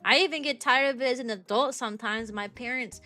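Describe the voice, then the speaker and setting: Chatty young woman with a high, bright voice. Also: fairly quick, faint music behind. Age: mid-twenties. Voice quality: high-pitched, youthful-sounding voice. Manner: rambling and chatty, with many ums, likes and restarts. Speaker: VTuber streamer and kindergarten teacher. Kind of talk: casual chat with stream viewers.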